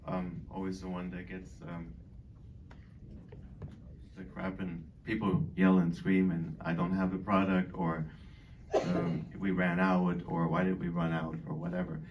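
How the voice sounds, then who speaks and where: A middle-aged man from Boston, raised in Germany, talks to residents in a deep, chatty way, wandering between points with plenty of ums. He is heard from a distance from the microphone. Faint background noise fills the gaps. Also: little pitch movement, unhurried, lo-fi sound. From born in Boston, grew up in Germany. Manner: rambling and chatty, many fillers. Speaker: dining director. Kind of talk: informal speech to an audience. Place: community hall.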